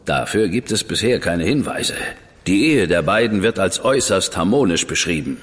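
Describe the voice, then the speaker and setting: An actor playing a reserved, measured investigator in a radio drama. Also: male voice, low voice, lively intonation. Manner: measured, dry, withholding. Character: cool, reserved male investigator, brother of a famous detective. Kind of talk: German radio drama acting. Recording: long reverb with music behind.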